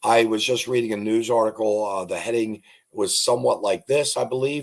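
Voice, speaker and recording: The speaker is a man with medium pitch. His intonation stays fairly even. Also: fairly quick pace. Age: 60s. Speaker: talk show host. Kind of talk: casual monologue. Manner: halting.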